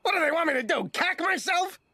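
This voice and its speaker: Cranky loud cartoon duck guy, hammy ranting, bright and nasal-sharp. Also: very high voice, animated, fairly quick, no room sound, studio quality, heavily acted. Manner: bombastic, ranting, hammy stage delivery. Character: loud cranky duck detective, middle-aged male. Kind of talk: cartoon voice acting.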